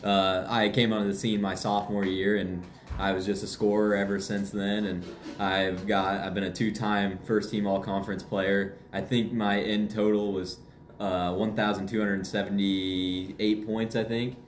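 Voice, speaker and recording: A young man answering interview questions as a high school athlete, confident and matter-of-fact. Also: level tone, normal speed. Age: young adult. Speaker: high school basketball player being interviewed. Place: indoor room with guests present. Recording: echoey room, faint background noise.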